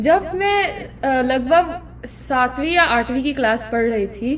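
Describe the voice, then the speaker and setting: A woman with a high-pitched voice and lively intonation. Noticeable background noise runs under her speech. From USA, Indian Brahmin family. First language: not Hindi (Hindi is third language) (speaking Hindi). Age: 20s. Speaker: convert giving testimony. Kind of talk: testimony. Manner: halting, many fillers.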